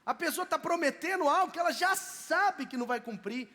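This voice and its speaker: A man's voice: extremely high pitch, animated, fairly quick, pushed and bright. A man with a Brazilian Portuguese accent, from Minas Gerais, preaching a sermon as pastor in a church, telling stories in a conversational way. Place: church sanctuary. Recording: long reverb of a church hall.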